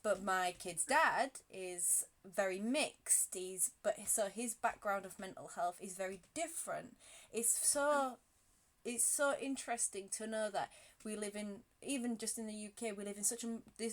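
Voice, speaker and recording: A woman's voice: medium pitch, normal speed. A woman talking earnestly in a casual conversation, thinking aloud with frequent restarts. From United Kingdom. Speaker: podcast host.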